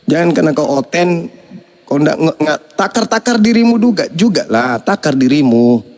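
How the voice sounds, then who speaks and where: A man's voice: on the high side, expressive, moderate pace, a little mellow. A man, hosting a heated livestream debate, mocking and scolding with bursts of laughter. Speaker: debate host.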